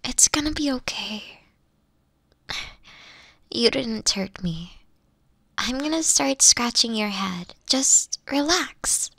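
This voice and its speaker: A woman playing a caring, teasing witch girlfriend in a soft, close ASMR roleplay, tender and coaxing, often dropping into breathy whispers. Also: on the high side, lively intonation, slow pace, long pauses, no room sound, heavily acted. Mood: tender, soothing. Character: caring, teasing young witch girlfriend soothing her lover. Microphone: close microphone.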